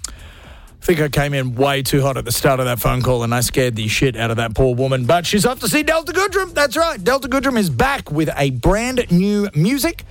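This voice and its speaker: A man's voice: fairly high pitch, sing-song, moderate pace. A man hosting a radio show, hyped and jokey, poking fun at himself. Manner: hyped, jokey, self-mocking. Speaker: radio host. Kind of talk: energetic radio banter. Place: radio studio.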